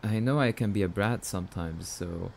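A man's voice: sits low, moderate pace, gravelly, slight background noise. A young man playing a jumpy, bashful catboy boyfriend in an ASMR roleplay, stammering and hesitant, bratty but sweet. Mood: soft, tender.

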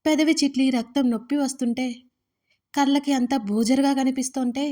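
Female storyteller, audio drama narration, steady measured reading, fairly high voice.

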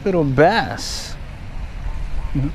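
A man filming himself fly fishing at a park pond, giving casual running commentary with relaxed, muttered asides while he casts, recorded on a head-mounted action camera outdoors. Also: on the high side, very slow, slight background noise, poor audio. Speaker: angler filming his fishing.

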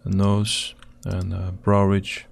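A man with a croaky, gravelly voice narrates at an unhurried crawl, stopping often to hunt for the right frame. His voice sits a little low, and keyboard clicks from his desk come through now and then. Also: monotone. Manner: hesitant, pausing often with fillers. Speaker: video host analysing footage. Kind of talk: slow screen-recorded commentary.

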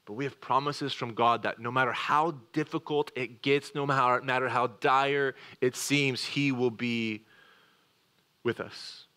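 A man's voice: medium pitch, fairly even intonation. Earnest male pastor preaching a sermon. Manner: earnest, shifts from quick asides to slow, quiet emphasis. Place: church sanctuary.

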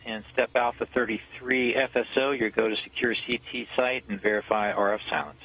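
A man working as launch conductor, giving clipped procedural calls over a radio communications loop, brisk with small hesitations. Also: medium pitch, level tone, breathy edge. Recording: muffled lo-fi radio channel.

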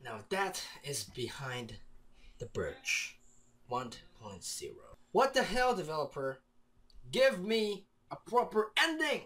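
A young man hosts a visual novel let's play. His pitch swings widely and his delivery is playful and theatrical. He speaks close to a desk mic in a small room. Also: slow. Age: young adult. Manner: theatrical, expressive. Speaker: gaming video host.

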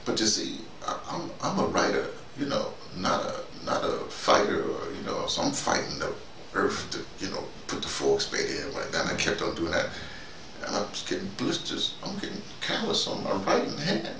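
An older American man giving a rambling, halting conversational monologue, repeating himself and speaking colloquially with emphasis. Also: deep voice, wildly swooping pitch, sharp tone. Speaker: host, storytelling activist. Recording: noisy, roomy, distant microphone.

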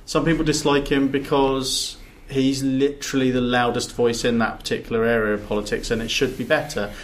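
A man's voice: medium pitch, little pitch movement, a little fast, slight background noise. A man co-hosting a casual podcast chat, rambling with frequent restarts and repeated words, sitting back from the microphone in a makeshift studio. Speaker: podcast co-host. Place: big echoey box used as studio. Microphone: sitting back from the table and mic.

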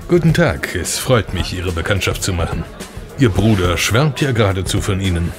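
A man plays a courteous scientist in a radio drama. His voice is very low and he speaks formally, with music clearly behind him. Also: lively intonation, normal speed. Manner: formal, polite. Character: courteous male neurotechnology scientist. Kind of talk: audio drama acting.

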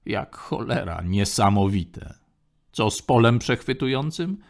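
A man's voice: medium pitch, expressive, measured pace, vocal fry. A man voicing a cocky, wry male general in a spoken space story. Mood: urgent.

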